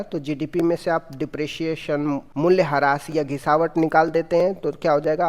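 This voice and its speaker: A man's voice: fairly high pitch, a little mellow, in a large hall. A man teaching an exam-prep lesson, asking quiz questions and answering them himself with brief explanations.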